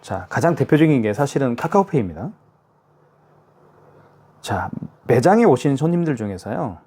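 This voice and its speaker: Over a faint hiss and the clicks of a device, a man casually demonstrates a product, narrating every step and checking in with the viewer with frequent "자" and "그죠?". He speaks at medium pitch and normal speed, in a sing-song, mellow way.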